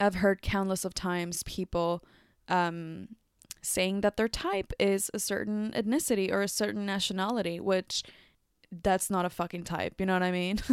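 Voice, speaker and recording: In a very clean, dry and close recording with no echo and a silent background, a woman with a Mexican accent and medium pitch speaks at a moderate pace with monotone, flat intonation. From Mexico. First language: Spanish. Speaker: podcast host. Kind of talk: casual monologue. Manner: rambling.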